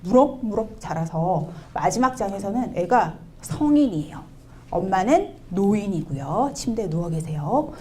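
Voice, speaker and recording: Lively woman lecturing parents. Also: medium pitch, a little slow, slight background noise. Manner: lively, asks the audience questions, acts out quotes. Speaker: picture book lecturer. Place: community event hall.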